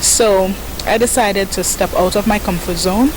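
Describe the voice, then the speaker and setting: A woman's voice: medium pitch, moderate pace, noisy background. Woman, earnest pageant contestant. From Grenada. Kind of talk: interview statement.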